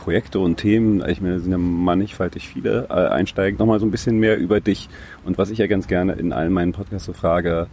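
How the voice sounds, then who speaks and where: A man's voice: low voice, steady tone, brisk, a little mellow. A man from Berlin hosting a podcast interview outdoors, talking casually with lots of hesitations and restarts. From Berlin, Germany. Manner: hesitant, many fillers and restarts. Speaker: podcast host. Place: outdoors on a hot windy day. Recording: outdoor recording with light wind noise.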